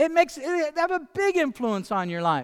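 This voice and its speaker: Speaking fairly slowly, a man talks with an American accent. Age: 50s. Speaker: pastor. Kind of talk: sermon. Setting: church.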